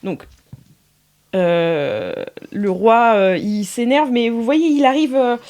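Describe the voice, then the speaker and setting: A woman's voice: fairly high pitch, takes it slowly, a little mellow. A woman running an improvised tabletop game as game master, narrating casually and hesitantly in a studio. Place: recording studio. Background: music.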